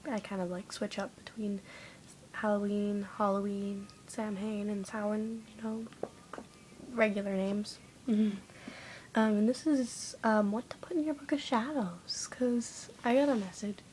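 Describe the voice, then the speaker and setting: A woman's voice: on the high side, measured pace, a little mellow, slight background noise, rough recording. A young woman vlogging at home, rambling casually with lots of fillers and often slipping into a half-whisper. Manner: chatty, rambling, many "like" fillers. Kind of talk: casual vlog chat. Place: dim room at home lit by candles.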